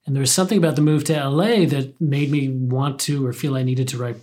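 A man's voice: mid-range voice, steady tone, fast talker, a little mellow. A man guest, a playwright and poet, speaking thoughtfully in a casual interview, with frequent hesitations and restarts.

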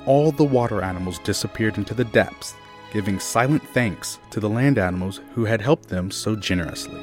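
A male storyteller with a mid-pitched voice that rises and falls in lively swings. He reads a children's tale in scripted narration and slows down for drama. Faint classical music plays under his words. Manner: expressive, slowing down for drama. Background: soft classical music.

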